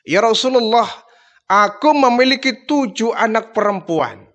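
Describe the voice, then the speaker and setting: A man's voice: very high-pitched, expressive, unhurried, fairly bright tone, pitched above the performer's own voice, heavily acted. A man voicing a remorseful Arab chieftain who pleads urgently as he confesses his sins. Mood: remorseful pleading.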